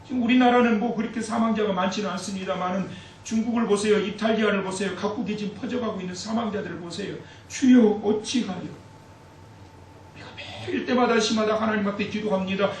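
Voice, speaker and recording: Dramatic pastor, echoey church sanctuary. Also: male voice, high-pitched, fairly even intonation, quick pace, hardly any pauses, far from the mic. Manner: dramatic, acts out pleading prayers with rising intensity. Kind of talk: sermon. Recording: echoey church hall from afar, faint hiss.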